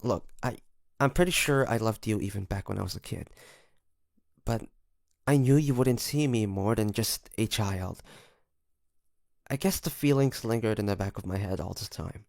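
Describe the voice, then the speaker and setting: A man playing an earnest, tender young demon hunter in love, speaking softly and haltingly in an intimate romantic audio drama. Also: on the low side, creaky, no echo, clean studio sound. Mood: shy, earnest. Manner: hesitant, halting, soft-spoken with sighs.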